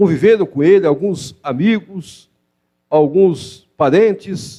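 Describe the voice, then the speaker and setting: The speaker is a man. His tone is dark and mellow. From Minas Gerais, Triângulo Mineiro / Alto Paranaíba. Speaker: pastor. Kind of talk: sermon. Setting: church service.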